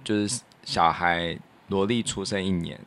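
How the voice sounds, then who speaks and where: A man's voice: deep voice, unhurried. A man with a Taiwanese Mandarin accent chatting casually and jokingly as a podcast co-host. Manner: animated, joking, teasing. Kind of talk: casual bantering couple chat.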